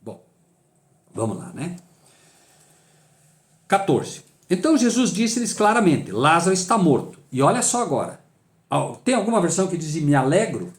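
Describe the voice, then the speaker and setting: A man's voice: fairly high pitch, big pitch swings, normal speed, pauses often, reverberant. Emphatic Brazilian man teaching Bible study. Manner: emphatic, asks rhetorical questions and answers them.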